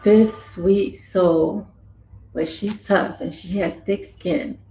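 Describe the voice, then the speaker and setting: A woman voicing a signed introduction and interview as interpreter, speaking slowly in measured phrases. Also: mid-range voice, steady tone, mellow, a little hiss or hum. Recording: echoey room with faint ambience.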